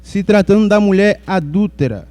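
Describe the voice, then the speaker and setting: A man's voice: high voice, expressive, moderate pace, a little mellow, soft background music, poor audio. A man from Salvador, Brazil, preaching a sermon in a conversational way and putting questions to the congregation.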